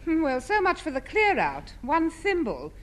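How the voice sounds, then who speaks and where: A dry, mocking housemate. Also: female voice, high voice, huge pitch swings, normal speed, heavy background noise. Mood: sardonic. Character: dry, sardonic woman of the household. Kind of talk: 1950s radio sitcom acting.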